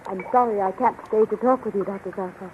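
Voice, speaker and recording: A woman's voice: medium pitch, quick pace, natural voice. Woman playing anxious obedient young captive girl, earnest 1930s radio acting, thin phone-like sound. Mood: dutiful. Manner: meek, earnest. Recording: tinny, hissy 1930s radio recording.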